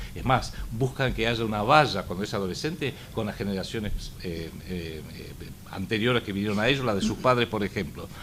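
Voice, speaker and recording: A man's fairly low voice at a moderate pace with ordinary pitch variation, in audible room echo. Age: 60s. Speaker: author and lecturer. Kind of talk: lecture. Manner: halting.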